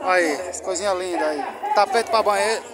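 A man's voice: high-pitched, normal speed. A man, vlogging casually as he walks an outdoor market, chatting and joking with people he greets. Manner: chatty, greets passers-by, jokes. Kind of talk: casual walking vlog. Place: busy outdoor street market. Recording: outdoor crowd noise. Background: market crowd chatter.

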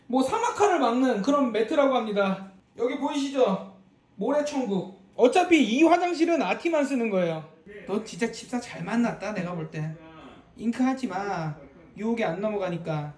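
A man talking playfully to a kitten at home in coaxing baby talk, in casual vlog style. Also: very high-pitched. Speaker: vlogger, kitten owner. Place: home indoors. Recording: echoey room with faint noise.

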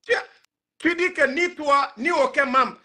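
A man's voice: very high voice, unhurried, sharp tone. A man in his thirties with a Guinean accent, talking politics on a live stream in an emphatic, indignant, repetitive way. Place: indoor room, video call.

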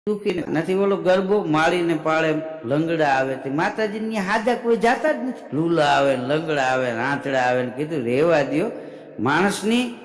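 High-voiced man telling jokes in an echoing hall. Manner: animated storyteller acting out characters in quoted voices. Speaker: folk comedian. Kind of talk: live folk comedy storytelling. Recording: echoey hall with long reverb.

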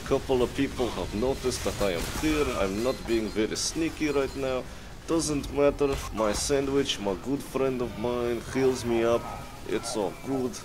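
A man narrates gameplay as a boastful Russian heavy gunner who loves vodka and fancies himself a big sneaky ninja, bragging in mock-serious broken English with a Russian accent. His mid-range voice is lightly acted, boastful and sneaky in mood, and video game combat noise fills the background.

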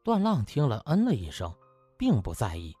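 A man's voice: mid-range voice, wildly swooping pitch, moderate pace, dark tone, husky, soft background music. A man narrating a comic novel as a scripted audiobook, in a dramatic storytelling style.

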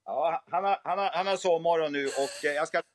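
Middle-aged guy, slightly high voice, casual chat from home on a video call. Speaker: guest, moose park keeper. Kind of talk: casual live interview. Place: room at home, indoors. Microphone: phone video call.

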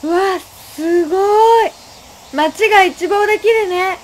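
A young woman playing an earnest, stressed high-school senior girl in an amateur radio drama. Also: slow pace, slight background noise. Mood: friendly, hesitant. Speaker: student radio drama actor.

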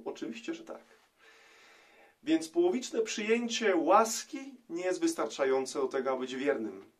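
A middle-aged man, a priest, giving a reflective gospel commentary to camera in a small room, pausing often with hesitation sounds. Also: a little high. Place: small indoor room, plain wall.

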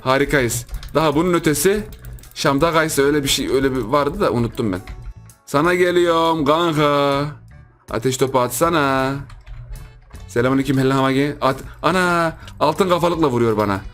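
A man's voice: on the high side, a little fast, a bit bright, soft background music. A young man giving casual, joking gameplay commentary, full of exclamations and laughter. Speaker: gaming YouTuber.

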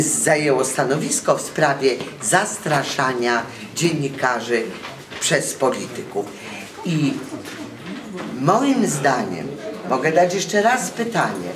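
An older woman journalist giving an indignant statement to camera, asking rhetorical questions with frequent hesitations. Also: rumbling low. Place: court building corridor, indoors. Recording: roomy corridor echo, voices from far off.

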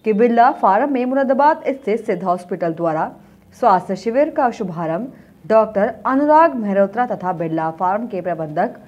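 Young woman reading studio news. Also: mid-range voice. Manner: formal, even newsreader delivery. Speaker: news anchor. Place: studio with virtual set.

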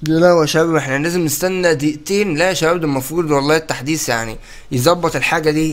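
A young man with an Egyptian accent giving excited, playful commentary while playing a game, teasing and laughing often. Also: on the high side. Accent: Egyptian Arabic. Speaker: gaming channel host.

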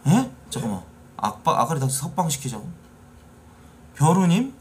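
A man ranting at his chat during a live stream, swearing and building into angry shouts. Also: fairly high pitch, very animated, normal speed, slight background noise. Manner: angry, profane, rising to shouting. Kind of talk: casual live-stream rant.

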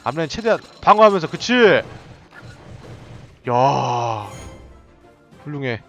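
A man giving excited, running commentary while playing a tower defense game, often laughing and reacting out loud. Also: medium pitch, slow, soft background music. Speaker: game streamer. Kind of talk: live gameplay commentary.

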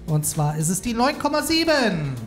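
A man's voice: extremely high pitch, big pitch swings, moderate pace. A man hosting a poetry slam on stage at a stand mic, chatty and announcing the scores with some fillers. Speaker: slam host. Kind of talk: live event moderation. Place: stage in a hall with audience. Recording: live hall with crowd and music.

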